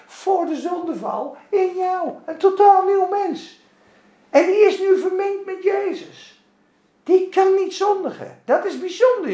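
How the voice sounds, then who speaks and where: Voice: mid-range voice, gravelly, darkish tone. Emphatic Bible study teacher in a roomy space. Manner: emphatic, asks the group rhetorical questions. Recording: roomy echo.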